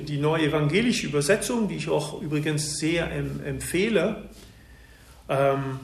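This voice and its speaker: A man preaching a Bible-teaching sermon, explaining verses slowly and deliberately with occasional hesitations. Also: high voice, echoey room. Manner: slow, deliberate expository delivery with some hesitations.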